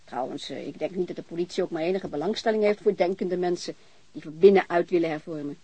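A woman's voice: fairly low pitch, quick pace, dark tone, slightly rough, dry recording. An actress playing an outspoken, chatty middle-aged landlady in a naturalistic radio drama, talking bluntly and restarting her sentences. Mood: skeptical. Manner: talkative, blunt, breaks off and restarts.

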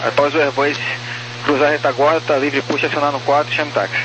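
Male Brazilian air traffic controller, higher-pitched, issuing clearances over a noisy radio channel. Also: flat delivery, fast, muffled recording. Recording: noisy aviation radio with hum.

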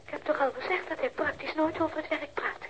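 High-pitched, curt, irritated woman, acted, noisy recording. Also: fairly even intonation, quick pace, lightly acted. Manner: curt, dismissive. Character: curt, irritated woman being questioned by police. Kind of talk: radio drama dialogue.

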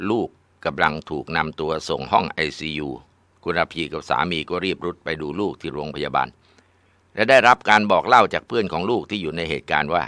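A man's voice: sits low, pushed and bright, clean tone, no room sound. A man casually narrating a ghost story in a conversational way.

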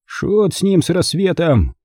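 A brusque, decisive uncle from a storybook, as a man voices him, pitched above the reader's own voice. He cuts others short and gives firm orders, in a dry, close voice. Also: huge pitch swings, slow, creaky, dark tone, husky, no echo, full character voice. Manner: curt and decisive.

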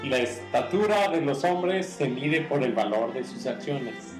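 A man playing a courteous, upright gentleman in an amateur radio drama, stiffly formal and politely indignant. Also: medium pitch, expressive, unhurried, music in the background, natural voice. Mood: solemn. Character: prim, courteous male gentleman of justice. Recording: roomy echo.

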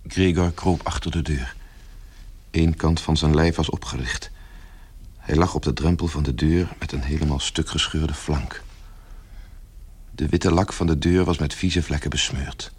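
A man's voice: rumbling low, fairly even intonation, a little slow, pauses often, breathy edge. A man narrating a scripted radio play as its storyteller. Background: music.

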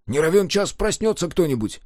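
A brash, handsome young ladies' man, boastful and quick to take offence, voiced by a male narrator. He talks eagerly and much higher than the reader's normal voice, with vigorous, emphatic delivery. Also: sing-song, a little mellow, dry recording, studio quality.

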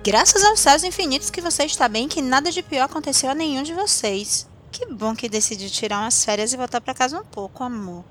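Woman playing sweet teasing wife in an audio drama, high voice, informal and affectionate. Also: animated, brisk, few pauses, soft background music. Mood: affectionate, puzzled.

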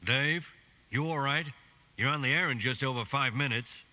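A man's voice: mid-range voice, moderate pace, bright, forceful tone, pitched above the performer's own voice. A man voicing a male radio producer giving clipped, businesslike cues.

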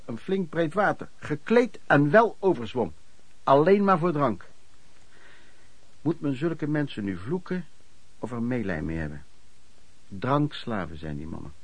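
A man's voice: a little high, sing-song, unhurried, pauses often, no echo. An actor playing an old man who chattily recalls his drinking and lodging days in a radio play, repeating himself for emphasis. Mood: earnest, pitying. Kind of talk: radio drama narration, reminiscing.

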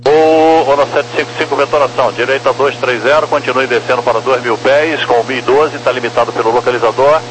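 A man's voice: mid-range voice, fairly even intonation, quick pace, hardly any pauses. A man working as an air traffic controller, giving clipped procedural instructions over a walkie-talkie style radio. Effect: walkie-talkie style radio transmission.

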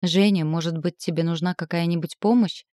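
A woman's voice: lowish voice, steady tone, a little fast, a little mellow, dry recording, studio quality, lightly acted. Woman reading a curt, guarded young man. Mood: calm.

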